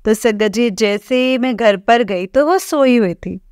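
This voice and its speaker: A young woman from Jammu telling a congregation a personal story of faith, halting and repetitive with frequent fillers. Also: a little high, a little mellow, clean tone, dry recording, clean studio sound. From Jammu, India. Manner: halting, with many fillers and repeated phrases. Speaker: devotee sharing testimony. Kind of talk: personal testimony to a spiritual congregation.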